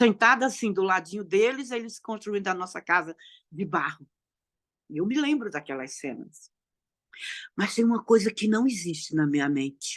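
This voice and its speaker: A woman at a medium pitch talks at a moderate pace with very wide pitch swings and long, frequent pauses. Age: 60s. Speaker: church speaker. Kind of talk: sermon.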